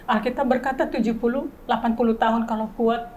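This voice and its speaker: A woman's voice: fairly high pitch, steady tone, fast, a little mellow, slight background noise, low-quality recording. A woman in her fifties, a grieving mother, giving an earnest faith testimony in an interview and repeating key phrases for emphasis. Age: 50s. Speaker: bereaved mother, guest.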